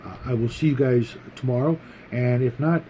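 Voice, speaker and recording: A man hosting a casual, unscripted vlog about tabletop gaming, talking to viewers in a rambling, halting, conversational way. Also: medium pitch, warm tone, a little hiss or hum, poor audio. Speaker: host of a tabletop gaming vlog, game master.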